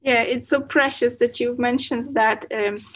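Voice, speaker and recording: Chatty woman host, slightly high voice. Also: fairly even intonation, unhurried, a bit bright. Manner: chatty, frequent "you know" and "like". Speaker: podcast host. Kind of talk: conversational interview.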